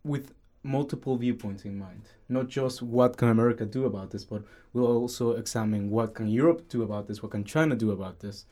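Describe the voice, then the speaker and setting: A man's voice: mid-range voice, fairly quick, few pauses, dark tone. A young man from Venezuela, a student co-hosting a podcast, speaking earnestly with some fillers and restarts. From Caracas, Venezuela. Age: young adult. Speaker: podcast co-host. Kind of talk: casual student podcast chat.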